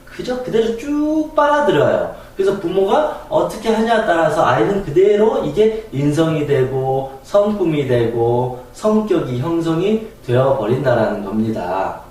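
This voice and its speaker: A man giving a spoken lecture as a channel host, talking in an animated way and acting out examples. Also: fairly high pitch. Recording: echoey room, distant mic.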